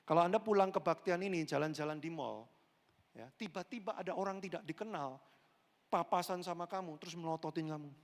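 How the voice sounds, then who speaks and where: A pastor preaching a lively sermon and acting out the voices of the people in his stories. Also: fairly high pitch. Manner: animated storyteller, switching voices for characters. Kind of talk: lively sermon with acted-out dialogue. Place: large church hall. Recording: long hall reverb.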